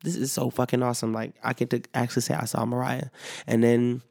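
A man's voice: medium pitch, flat delivery, fast, creaky, darkish tone, dry recording, clean studio sound. A man hosting his own podcast in a loose, rambling chat full of fillers and swearing, his voice not fully back after being sick. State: voice not fully recovered from illness. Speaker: podcast host. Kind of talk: casual solo podcast chat.

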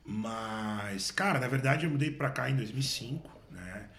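A man's voice: medium pitch, unhurried, a little hiss or hum. A man with a São Paulo accent, chatting casually as a podcast guest in a slangy, easygoing way. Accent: São Paulo Portuguese. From São Paulo state, Brazil. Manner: relaxed, slangy, laughs easily. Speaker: podcast guest, ad agency co-founder.

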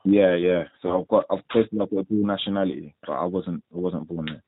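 A man's voice: low voice, fairly even intonation, fast, no room sound. A young man from London with a London accent, a professional boxer answering interview questions in a laid-back, rambling way full of fillers. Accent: London English. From London, England. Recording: tinny dry phone line.

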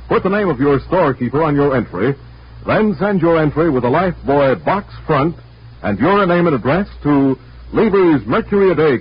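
A man's voice: fairly high pitch, husky, no echo. A man with an American accent delivering scripted ads and sign-offs as a 1940s old-time radio announcer. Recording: muffled vintage radio recording, music behind.

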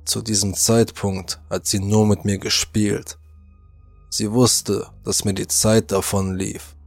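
A man narrates a first-person horror tale in a low, gravelly voice, slow and fairly flat, tense throughout. The recording is dry and close, with faint music playing underneath. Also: dry recording. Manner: tense, acts out shouted lines.

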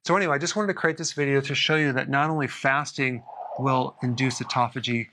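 A man with a bright, forward voice hosts a health podcast on his own. He explains things in a relaxed, conversational way and drops in deadpan sarcastic asides. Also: medium pitch, fast talker. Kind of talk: solo explainer talk.

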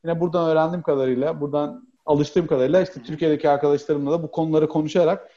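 Guy rambling fast as a guest, lots of ums, kinda muffled lo-fi sound. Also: a little high, steady tone, mellow. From Turkey. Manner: rambling, hesitant, many fillers. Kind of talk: casual chat.

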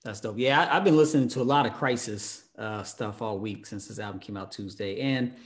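A man hosting a podcast, asking his guests relaxed questions in easy, casual chat. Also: on the low side, fairly quick. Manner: easygoing, asks relaxed questions. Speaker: podcast host.

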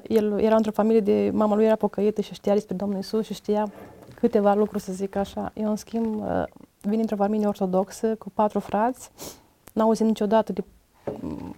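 A woman's voice: medium pitch, gravelly, mellow. A middle-aged woman, a podcast guest, candidly recounting her own past in casual conversation, reflective in tone. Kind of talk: personal testimony in casual conversation.

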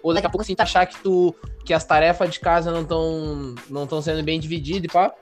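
A man's voice: on the high side, little pitch movement, quick pace, soft background music. A man from Rio do Sul, chatting casually as a podcast co-host in a slangy, rambling way with many fillers. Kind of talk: casual chat.

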